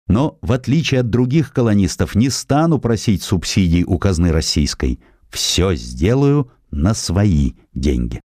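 Guy playing steady determined farmer in an audiobook, low dark voice, sure of himself. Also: a little slow, no echo, clean studio sound, heavily acted. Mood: resolute. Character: determined, self-reliant male colonist sheep farmer. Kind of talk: dramatised audiobook acting.

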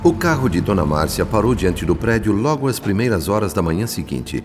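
An actor playing a solemn, literary narrator of a Brazilian radio drama, with a Brazilian accent. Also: male voice, lowish voice, sing-song, a little fast. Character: solemn male spirit narrator, literary and judgmental. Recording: long reverb, faint music behind.

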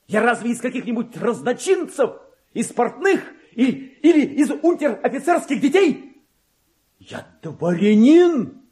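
A man's voice: fairly high pitch, dark tone, slightly rough, heavily acted. An actor playing a vain, resentful middle-aged clerk in a radio play, pompous and exclamatory, as if muttering his diary to himself. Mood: outraged, contemptuous. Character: petty forty-two-year-old male clerk, vain, resentful, self-important. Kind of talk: theatrical radio play monologue, diary read aloud.

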